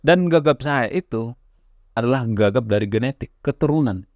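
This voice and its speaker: A man's voice: mid-range voice, expressive, normal speed, no echo. A man talking casually to camera as a YouTube host, stammering now and then and restarting his words. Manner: stammers at times, restarts words, conversational fillers. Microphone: camera mic, close.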